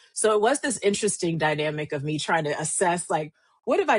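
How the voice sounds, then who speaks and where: A woman with a plain, everyday voice and an American accent talks at a fairly quick pace, her fairly low pitch showing ordinary pitch variation. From US South. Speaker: author and spoken word poet. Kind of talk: interview conversation.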